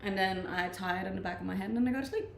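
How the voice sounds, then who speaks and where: A woman's voice: mid-range voice, rapid-fire, gravelly. Laid-back Danish-accented woman streamer. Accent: slight Danish, mixed from living abroad. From Denmark. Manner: laid-back, chatty, often laughing. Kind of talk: casual chat reading live comments. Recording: echoey room, faint ambient noise.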